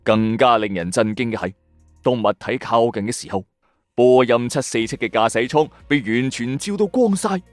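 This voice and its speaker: A man's voice: medium pitch, moderate pace, dry recording, studio quality. A man with a Hong Kong Cantonese accent narrating a scripted mystery story in a suspenseful, emphatic radio storytelling style. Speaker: storyteller host of a mystery show. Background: background music.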